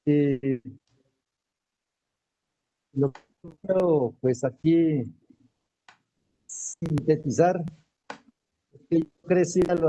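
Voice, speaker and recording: A middle-aged Misak man from Cauca whose first language is Namuy Wam, recalling his childhood in a halting way and repeating words as he searches. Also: a little high, dark tone, poor audio. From Misak community, Cauca, Colombia. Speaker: teacher, panel guest. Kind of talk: panel talk, personal memories.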